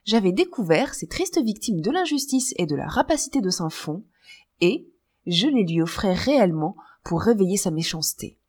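A woman narrating an audiobook novel in the first person. Her reading is expressive, with a lively, wide-ranging pitch in a medium register. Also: moderate pace, breathy edge. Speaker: audiobook reader.

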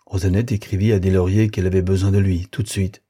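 Husky, low-voiced man reading a novel. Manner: measured, even storytelling. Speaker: audiobook reader. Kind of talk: literary audiobook narration.

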